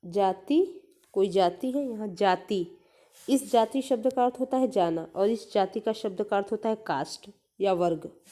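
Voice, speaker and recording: A woman's voice: mid-range voice, measured pace, warm tone. A woman teacher giving a grammar lesson to young children, patiently repeating each word aloud and explaining letters and vowel signs step by step.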